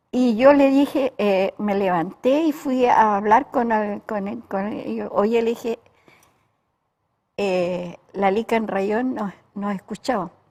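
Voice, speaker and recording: A woman speaks at a very slow pace. Her fairly high pitch shows ordinary variation. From southern Chile, Mapuche. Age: 80s+. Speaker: poet. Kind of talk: interview conversation.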